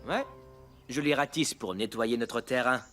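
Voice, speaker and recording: A man voicing a kind, patient cartoon dad, gently explaining things and encouraging his young son. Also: mid-range voice, unhurried, faint music behind. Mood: patient, friendly.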